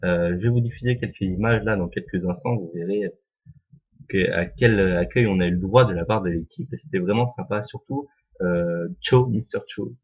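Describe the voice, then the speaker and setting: Hesitant, husky young man hosting a vlog. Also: low-pitched, dull audio. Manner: hesitant, full of "euh" pauses. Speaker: vlog host. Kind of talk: casual film commentary.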